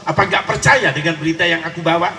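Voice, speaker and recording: A man doing an angel messenger, gentle and dutiful, told inside a lively sermon story. He speaks with a high, bright, gravelly tone. The sound rings with the long reverb of a big hall. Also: fast talker, slight background noise. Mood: puzzled.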